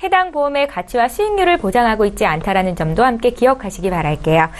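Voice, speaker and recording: A woman hosts an insurance advice broadcast in a polite, formal presenter's style with a lively delivery. Her voice is on the high side, and she talks fast.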